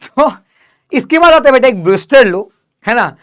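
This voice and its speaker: A man's voice: very high-pitched, expressive, moderate pace, a bit bright. A man teaching physics in an exam revision lecture, asking students questions and then answering them himself. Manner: calls students "beta", casual and direct.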